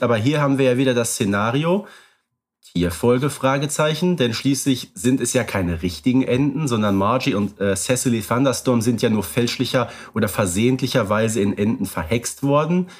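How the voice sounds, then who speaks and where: A man co-hosting a podcast, chatting in a relaxed conversational way with occasional fillers. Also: medium pitch, normal speed. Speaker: podcast co-host. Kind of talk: casual podcast chat.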